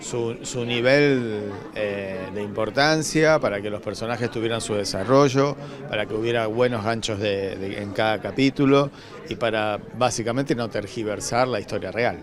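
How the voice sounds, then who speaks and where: Halting Argentine man with crowd behind. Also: fairly low pitch. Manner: halting, thoughtful, searching for words. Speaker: radio drama scriptwriter. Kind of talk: interview answer. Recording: crowd chatter behind, public event.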